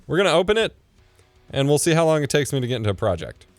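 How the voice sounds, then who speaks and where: A man in his thirties streaming from home while editing, rambling and joking at himself with a lively, bouncing delivery. His voice is close and dry, with faint music in the background. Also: a little high, fast talker, no room sound. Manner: rambling, self-deprecating, mutters under his breath. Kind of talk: casual live-stream commentary while video editing. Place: home streaming room, indoors.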